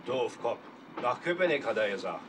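An actor playing a contrary, grumbling common Prussian soldier in a German period drama, blunt and colloquial. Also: male voice, mid-range voice, big pitch swings, normal speed, close to an everyday voice. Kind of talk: German period drama acting, casual banter. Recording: clear outdoor vehicle noise.

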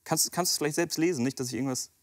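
On a TV show, a magician guest with a voice on the high side races through a casual chat. He breaks down a card trick step by step, with humor at his own expense.

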